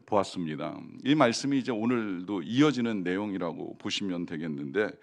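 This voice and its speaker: A man's voice: deep voice, expressive, moderate pace, vocal fry. A man preaching a Sunday sermon in a church, talking conversationally with many fillers and asking the congregation questions. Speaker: pastor. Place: church sanctuary.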